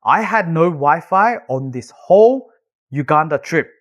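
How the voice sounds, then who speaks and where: Male reviewer, raised register, lively melody, off-the-cuff delivery. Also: on the high side, measured pace, lo-fi sound. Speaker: tech reviewer. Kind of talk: casual spoken review.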